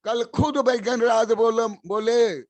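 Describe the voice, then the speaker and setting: An older man preaching as a monk, pressing each point with slow, deliberate emphasis and coming back to it again and again. His voice sits high for a man and is heard dry and close, with no room around it. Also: steady tone, dry recording. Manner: slow, emphatic and repetitive, reciting verses. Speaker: Jain monk and spiritual teacher. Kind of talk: sermon.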